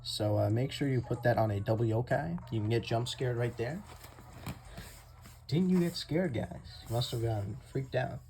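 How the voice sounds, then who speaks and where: A man's voice: mid-range voice, moderate pace, vocal fry, a little mellow, a little hiss or hum. A young man giving casual, chatty commentary over his own gameplay, often laughing and talking to viewers as "guys". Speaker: gaming YouTuber. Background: faint game music.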